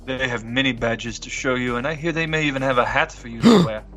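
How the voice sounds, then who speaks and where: A man voicing a courteous old gentleman with formal, polite phrasing and no contractions. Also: medium pitch, fairly quick, soft background music, close to an everyday voice. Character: courteous, formal old Frenchman who turns into tree.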